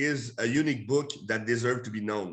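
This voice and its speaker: A man speaks with a strong French accent. His pitch is medium and his pace fairly quick. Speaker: firefighter and speaker. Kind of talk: interview. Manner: halting.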